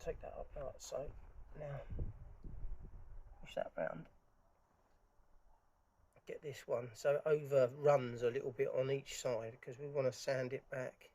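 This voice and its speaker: A man's voice: medium pitch, flat delivery, measured pace, long pauses, dark tone. A man presenting a hands-on DIY tutorial in an informal way, talking as he works. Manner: informal, talking while working. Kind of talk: casual hands-on tutorial narration. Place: outdoors in a garden for part of it. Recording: noisy, clicks and handling sounds.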